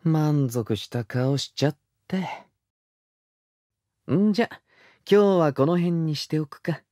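A slow, teasing young boyfriend. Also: male voice, fairly high pitch, warm tone, no room sound, studio quality. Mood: amused, teasing. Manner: slow, breathy, teasing, rough casual speech. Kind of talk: intimate audio drama, whispered ear-side roleplay. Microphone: close studio mic, dry.

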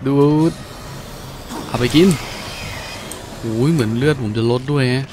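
A video game streamer with a mid-range voice comments on gameplay at an unhurried pace, reacting with plenty of exclamations and interjections. Game music and sound effects play behind him.

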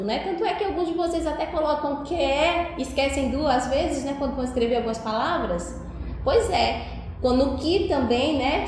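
Speaking in a high-pitched, slightly mellow voice, a Brazilian woman leads a video lesson for young children in a Brazilian Portuguese accent. Her coaxing, sing-song style is full of questions, and the recording has heavy room echo and faint noise.

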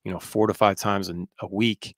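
Low-voiced laid-back man host. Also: flat delivery, normal speed, no echo. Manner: laid-back, reads viewer comments aloud. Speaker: podcast host. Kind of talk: casual interview chat. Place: home studio room. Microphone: studio mic on boom.

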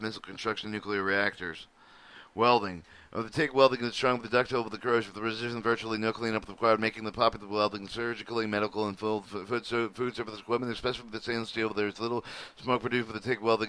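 Guy reading a manual off his screen, flat voice, bright and clear, keeps tripping over words. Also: lowish voice. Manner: stumbling over words, frequent restarts and fillers. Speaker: reader of a welding manual. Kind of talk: halting read-aloud of a manual. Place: at a computer, screen recording.

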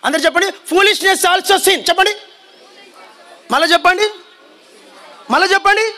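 A man preaching a fiery sermon to a congregation, shouting warnings and calling on listeners to repeat his words back to him. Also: very high-pitched, moderate pace, some chatter behind. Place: church hall before a congregation.

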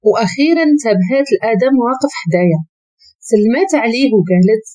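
A woman with a Moroccan Arabic accent telling a first-person story as narrator, voicing the quoted lines higher. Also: expressive, quick pace, darkish tone.

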